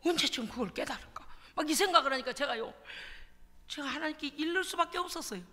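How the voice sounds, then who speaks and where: A middle-aged woman pastor preaching a dramatic sermon in a church, acting out her own prayers with sobs and shouts. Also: sits high, expressive, fast talker. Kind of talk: animated sermon. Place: church sanctuary. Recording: long hall reverb.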